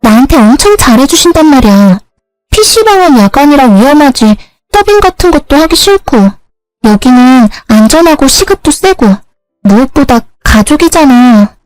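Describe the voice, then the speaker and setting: A woman voicing an earnest young little sister, higher pitch, insistent, dry sound. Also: sing-song, normal speed, darkish tone, no echo, poor audio. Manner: insistent, explaining.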